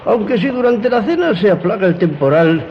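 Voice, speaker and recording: Radio play traveler: self-assured male jeweller, highish voice, polite, roomy noisy recording. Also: a little fast. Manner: courteous, animated, self-assured. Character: confident, courteous traveling male jeweller, fearless of thieves. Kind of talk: Spanish-language radio drama acting. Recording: dull, roomy, clearly noisy audio.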